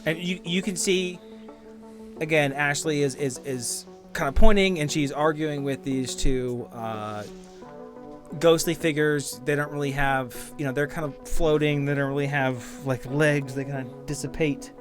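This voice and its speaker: Male game master, voice on the higher side, casual halting narration, loose language, light music underneath. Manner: halting, trailing off, casual swearing. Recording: music behind the voice.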